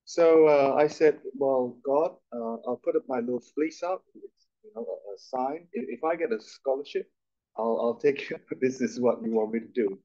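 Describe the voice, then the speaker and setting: A man's voice: mid-range voice, moderate pace, dark tone. A middle-aged man from Malaysia, a guest speaker, telling his story in a chatty, self-deprecating way with many restarts. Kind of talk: conversational interview on stage. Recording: dull lo-fi recording.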